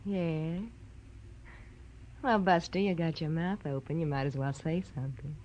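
A woman's voice: sits low, fairly even intonation, a little slow, a little mellow, dull audio. An actress playing a brassy, hot-tempered, tough-talking young girlfriend in a 1940s radio detective drama. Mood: sullen, sarcastic. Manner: slangy, tough-talking, defiant. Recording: old radio recording with background noise.

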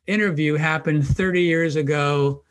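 A man's voice: fairly high pitch, fairly even intonation, a bit bright. Thoughtful man in his sixties. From Maryland, United States. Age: 60s. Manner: thoughtful, measured, with frequent restarts and ums. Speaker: guest, New Testament professor. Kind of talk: conversational podcast interview.

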